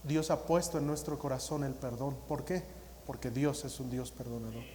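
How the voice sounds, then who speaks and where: A man's voice: mid-range voice, normal speed, dark tone, slight background noise. A man with a Mexican Spanish accent preaching a sermon as pastor, earnest and pleading, often restarting his sentences. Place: church sanctuary. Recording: roomy church hall reverb.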